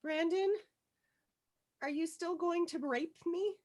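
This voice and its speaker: A woman reading the part of an awkward, anxious but stubborn young teenage schoolgirl in a screenplay table read, halting and apologetic. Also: extremely high pitch, darkish tone. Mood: nervous, meek.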